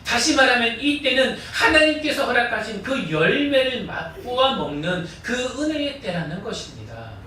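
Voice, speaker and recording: In a church sanctuary, a man pastor preaches earnestly in a very high, sing-song voice that's pushed and bright, at normal speed with few pauses. He repeatedly prompts the congregation in call-and-response, and the distant mic picks up the echoey hall along with a slight hiss or hum.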